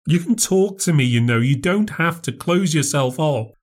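A man's voice: high-pitched, sing-song, normal speed, pitched above the performer's own voice. A man voicing an upset, anxious adult woman who confronts her sister, hurt and insistent. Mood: pleading, worried.

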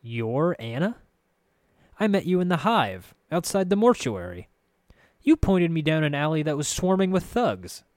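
A man voicing a weary, gruff fantasy protagonist with a frustrated, grumbling delivery. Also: fairly high pitch, big pitch swings, measured pace, darkish tone, dry recording, clean studio sound, pitched above the performer's own voice. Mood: accusing. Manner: growling, frustrated.

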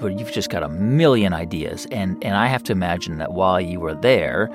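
A man's voice: low voice, animated, fairly quick, over music. A man hosting an interview, recapping the guest's story and asking curious follow-up questions. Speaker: interview host. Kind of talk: conversational interview.

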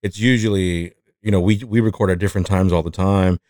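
Man, low voice, mexican accent, rambling podcast host, dry sound. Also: fairly even intonation, brisk, a little mellow, no room sound. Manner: rambling, self-reflective, many fillers and restarts. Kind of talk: casual podcast chat.

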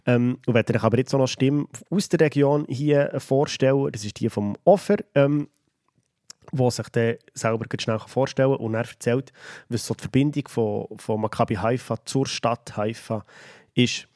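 A man's voice: medium pitch, fairly even intonation, moderate pace, a little mellow, dry recording. Swiss German man, dry close sound. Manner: informal, lightly joking, hesitant. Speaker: podcast host. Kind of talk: casual podcast moderation.

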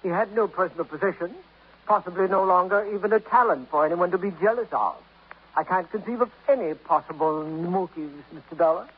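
An actor playing a stern middle-aged literary critic in a 1950s radio drama, speaking in a precise, lofty and contemptuous manner. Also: male voice, high voice, brisk, slightly rough. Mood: bitter. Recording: dull old radio broadcast with faint hiss.

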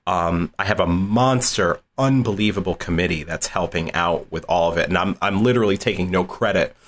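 Lively, laughing man with a lowish voice. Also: brisk, a little hiss or hum. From southeastern Massachusetts, US. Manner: animated storyteller who laughs often and repeats words. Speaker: college dean, interview guest. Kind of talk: casual interview storytelling.

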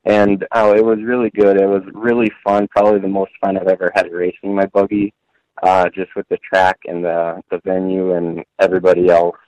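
A man with a very low, flat voice speaks over a phone line in a dry, close sound. He answers in a laid-back way, trailing off and filling gaps with "uh". The delivery stays even and unhurried. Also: no echo. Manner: laid-back, many "uh" fillers and trailing sentences. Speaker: off-road buggy racer guest. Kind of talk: casual interview answers.

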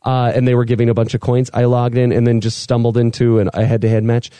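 A man's voice: medium pitch, flat delivery, fast talker, warm tone, smooth, no echo. A middle-aged man bantering casually and playfully as a podcast host. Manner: playful, joking.

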